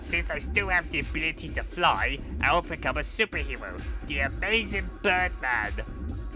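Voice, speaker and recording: A put-on character voice at a moderate pace, with loud music playing in the background. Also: man. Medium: audio drama.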